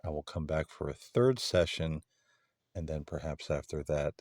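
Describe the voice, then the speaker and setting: A man hosting a paranormal session, putting questions to unseen beings in a halting, deliberate way with long pauses. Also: very deep voice, a little mellow, dry recording, clean studio sound. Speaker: host of a paranormal contact session.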